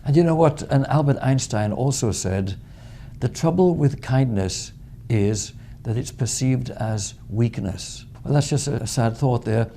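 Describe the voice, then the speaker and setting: Male TV interviewer, dark gravelly tone, measured questions. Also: mid-range voice, slight background noise. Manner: measured, poses long framing questions. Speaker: TV show host.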